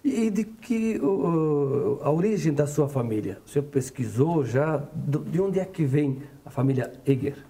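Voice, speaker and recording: A male TV host with a gravelly, dark voice, warmly steering his guest through a sit-down interview. He asks leading questions in a relaxed, friendly way. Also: fairly high pitch, measured pace, few pauses.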